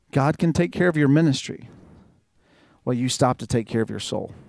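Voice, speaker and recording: A man at a fairly quick pace, ordinary pitch variation, dry and close with no echo, on a very clean recording with a silent background. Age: 40s. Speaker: pastor. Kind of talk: sermon.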